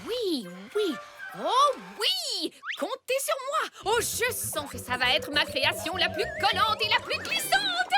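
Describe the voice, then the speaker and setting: Excitable squeaky-high girl robot. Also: measured pace, over loud music, full character voice. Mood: gleeful. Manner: gushing, theatrical, over-excited. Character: excitable, eager, zany female liquid-squirting robot. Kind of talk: French cartoon dubbing.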